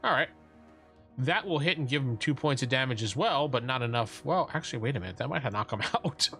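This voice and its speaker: A man's voice: mid-range voice, animated, a little fast, pushed and bright, soft background music. A man running a tabletop game as game master, joking and laughing often as he narrates. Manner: jokey, laughs often, slips into silly voices.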